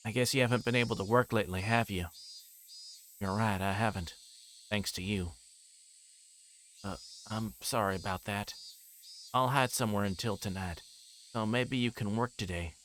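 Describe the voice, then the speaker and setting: A man livestreaming a visual novel, reading its text aloud and breaking into casual, rambling commentary as he thinks out loud. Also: on the low side, normal speed, long pauses, a little hiss or hum.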